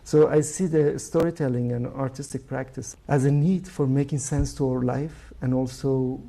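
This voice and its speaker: A man from Iran with a Persian accent, a filmmaker answering interview questions in a thoughtful, halting way with many fillers. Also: medium pitch, fairly even intonation, vocal fry, mellow. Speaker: filmmaker guest.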